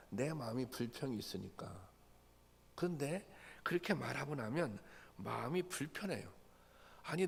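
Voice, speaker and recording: A man's voice: mid-range voice, vocal fry, slightly rough. A man preaching a sermon at a dawn prayer service, earnest and repetitive, building to emphatic peaks. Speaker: pastor. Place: church sanctuary. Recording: long hall reverb.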